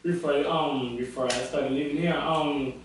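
A fairly high-voiced young man from the Dominican Republic who talks loosely and keeps restarting his sentences. He sounds distant from the mic, in a very echoey room with a faint hum underneath. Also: steady tone, moderate pace. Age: 20s. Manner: rambling with many fillers and self-corrections. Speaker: model and actor. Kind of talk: casual interview answers.

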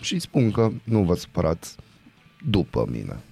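A man's voice: low-pitched, very animated, gravelly, mellow, breathy edge, faint music behind. A man co-hosting a morning radio show, telling an indignant story in casual banter.

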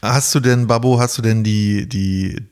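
A man's voice: on the low side, fairly even intonation, normal speed, a little mellow, smooth. A man casually telling a long anecdote on a podcast, full of fillers, now and then putting on other people's voices. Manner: rambling storyteller, imitates others with raised voice. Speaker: podcast co-host.

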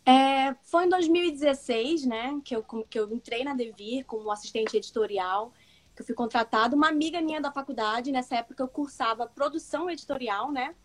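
A woman's voice: high-pitched, a little fast. A young woman from Manaus with a northern Brazilian accent, a comics editor chatting in an interview, laughing often and restarting her sentences. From Manaus, Amazonas, northern Brazil. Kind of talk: casual interview chat.

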